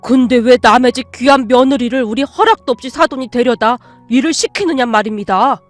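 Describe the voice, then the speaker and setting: A woman's voice: on the high side, normal speed, a little mellow, soft background music, lightly acted. A woman voicing an angry, protective older father-in-law who scolds in a raised voice. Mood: stern, indignant.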